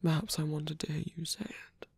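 A man playing a tired, wounded villain softening toward a lover in an intimate ASMR roleplay, breathy and hesitant, often half-whispering close to the mic. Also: fairly high pitch, steady tone, dry recording, full character voice. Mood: curious, probing. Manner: hesitant, halting, with long pauses and sighs. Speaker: ASMR voice actor. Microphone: close microphone, dry.

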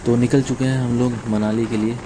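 A man narrating a motorbike trip while riding, with steady, plain commentary. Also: medium pitch, a little fast. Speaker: vlogger on a bike trip. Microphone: phone on a moving motorbike. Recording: phone mic with loud road wind.

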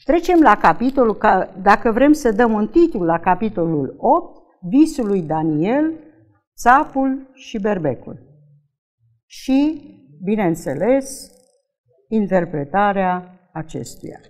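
A woman leading a Bible study lesson, reading verses aloud slowly and with emphasis, and quizzing her group with frequent questions. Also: mid-range voice, sing-song, a little mellow. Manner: slow, emphatic reading of scripture.

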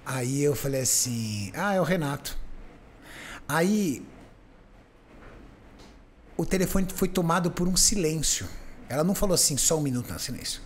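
A man with a fairly high voice tells a story in a casual podcast chat, and his pitch swings widely as he jumps into the voices of the people he describes. A faint hiss sits under the studio mic. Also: normal speed, long pauses. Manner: animated, acts out the voices in his stories. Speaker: podcast host.

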